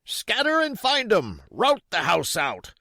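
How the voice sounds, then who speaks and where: A man voicing a blind pirate villain in an audiobook, furious and domineering, shouting orders and curses. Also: sits high, wildly swooping pitch, slow pace, dry recording, studio quality, pitched above the performer's own voice, full character voice. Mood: vengeful rage. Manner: shouting, cursing, barking orders. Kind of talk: audiobook character voice.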